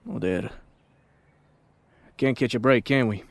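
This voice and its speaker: A man's voice: medium pitch, slow pace, no room sound. An actor playing a lovesick, sheepish man in an audio drama, talking in a hesitant, rambling, self-deprecating way. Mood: rueful. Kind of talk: audio drama acting, conversational.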